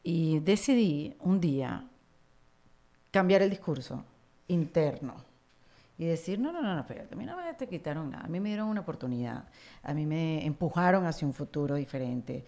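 A woman's voice: low voice, lively intonation, moderate pace, creaky, warm tone. A woman from Venezuela with a Venezuelan accent, speaking conversationally as a podcast host. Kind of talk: conversational interview and sponsor read.

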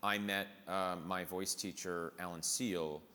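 A man who performs in musical theater, telling lively anecdotes in conversation and acting out the people he quotes. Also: sits low, measured pace, big-room sound. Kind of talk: storytelling in a conversation.

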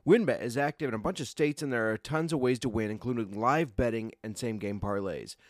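Man rattling off a fast legal disclaimer. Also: mid-range voice, dry recording, clean studio sound. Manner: rapid, flat recital of legal disclaimer. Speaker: podcast co-host.

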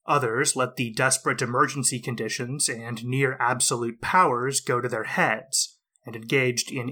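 A man narrates history in a steady, explanatory manner, his tone bright and forward at an ordinary pitch. He is still getting over a winter cold. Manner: measured, explanatory storytelling. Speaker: podcast host.

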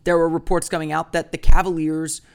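A man's voice: little pitch movement, brisk, gravelly, clean tone. A man hosting a daily sports podcast, talking in a chatty, rambling way with asides. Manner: puts on a booming radio voice for the intro.

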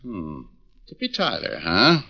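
Brief: clipped wisecracking radio gumshoe, low, lo-fi broadcast. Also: male voice, huge pitch swings, a little slow, dry recording, heavily acted. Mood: tough. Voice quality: clipped, sardonic tough-guy delivery. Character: wisecracking hard-boiled male private eye. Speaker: radio drama lead actor and show host. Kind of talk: 1940s radio acting. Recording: dull lo-fi old radio broadcast.

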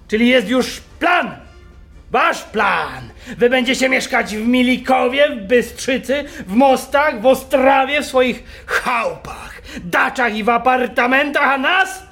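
An actor playing a bitter drunk man who shouts and rants at his family in a radio play. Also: extremely high pitch, exaggerated voice. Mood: raging. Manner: shouting, ranting, accusing. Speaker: radio drama character.

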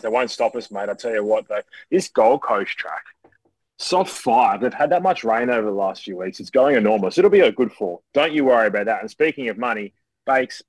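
A man's voice: medium pitch, slightly rough, no echo, low-quality recording. Matey man with a broad Australian accent. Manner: colourful, matey, slangy banter. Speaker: racing tipster and panel guest. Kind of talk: casual sports preview chat.

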